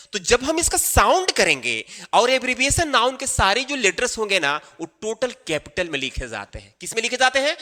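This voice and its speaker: Man, grammar lesson, very bright tone, long reverb. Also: high voice. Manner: emphatic, repeats examples and asks rhetorical checks. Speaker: English grammar teacher. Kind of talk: classroom-style grammar lesson.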